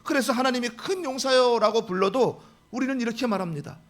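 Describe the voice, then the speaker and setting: A man's voice: very high voice, a little fast. A pastor in his forties preaching a sermon, acting out the dialogue of the people in the passage. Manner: animated, acts out dialogue in quotes.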